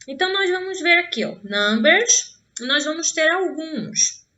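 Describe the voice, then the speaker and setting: A Brazilian woman teaching English to children, drawing out each English word slowly and often checking in with the class. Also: high voice, lively intonation, sharp tone, lo-fi sound. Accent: Brazilian Portuguese. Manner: slow, drawn-out modelling of English words. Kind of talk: online class for young pupils.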